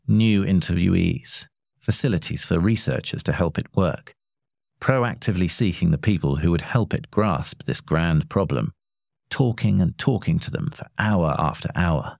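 A very low-voiced man reads a story with a dry, wry edge. The sound is close and dead, with no room in it. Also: gravelly, darkish tone, no echo. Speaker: narrator reading a short story. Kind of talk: scripted narration.

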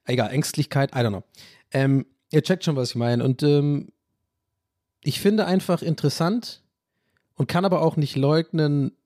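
A man's voice: fairly high pitch, moderate pace, darkish tone, no room sound, studio quality. Rambling, self-reflective man in his thirties. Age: 30s. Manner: rambling and self-reflective, drops in English phrases. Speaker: podcast host. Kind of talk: casual chat monologue.

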